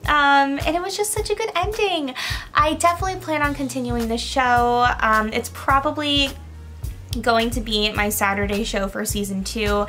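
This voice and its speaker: Bright, high-voiced excitable woman. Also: moderate pace, faint music behind. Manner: gushing, excitable gasps and exclamations. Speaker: reaction video creator. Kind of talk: casual reaction commentary.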